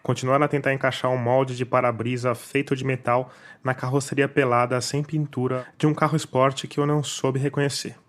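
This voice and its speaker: A man's voice: medium pitch, flat delivery, fairly quick, hardly any pauses. A Brazilian man hosting a podcast, reading scripted documentary narration over a music bed.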